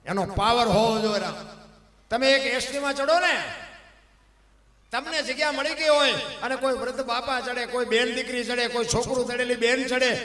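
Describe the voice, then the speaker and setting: A man telling devotional folk stories on stage, emphatic and swelling into loud declamation. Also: very high voice, steady tone, moderate pace, far from the mic. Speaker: dayro storyteller. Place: live stage program. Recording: echoey hall with long reverb.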